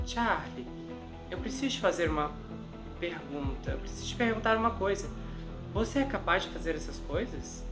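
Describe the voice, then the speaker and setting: A woman's voice: on the low side, lively intonation, moderate pace, pitched below the performer's own voice, natural voice. A woman voicing a female nurse who presses and pleads with a friend. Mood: probing. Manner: urgent, insistent. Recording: roomy with background music.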